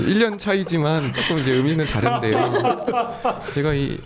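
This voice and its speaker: A man's voice: fairly high pitch, animated, moderate pace, heavy background noise. A man in his thirties speaking earnestly on a political panel, with many filler words. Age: 30s. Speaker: young panelist, organization head.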